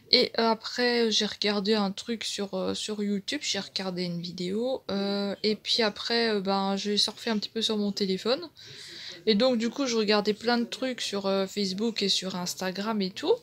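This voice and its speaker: A woman in her thirties vlogging casually from home, rambling with lots of hesitations, recorded on a phone's microphone. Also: mid-range voice. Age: 30s. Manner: rambling, hesitant, full of fillers and restarts. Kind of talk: casual vlog chat to camera.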